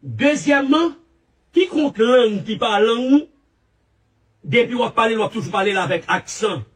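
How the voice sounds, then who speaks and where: High-voiced man, distant, rambling. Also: animated. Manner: repetitive, halting, restarts often. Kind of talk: rambling spoken statement.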